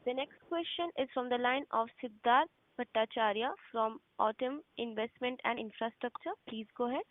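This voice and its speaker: A woman's voice: a little high, normal speed, slight background noise. A woman working as a conference call operator, introducing callers in a courteous, formulaic way. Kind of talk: formal call moderation. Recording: narrow-band phone line.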